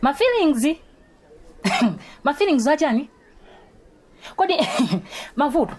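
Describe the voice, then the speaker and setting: A woman's voice: high-pitched, big pitch swings, takes it slowly, darkish tone, heavily acted. An actress playing a scornful young pious female student in a radio drama, with a Malawian accent and a blunt, scolding, mocking way of talking. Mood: puzzled, mocking.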